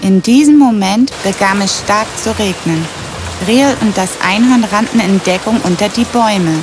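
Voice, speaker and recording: A woman's voice: medium pitch, normal speed. A woman storyteller reading a scripted children's fairy tale. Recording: clear music behind the voice.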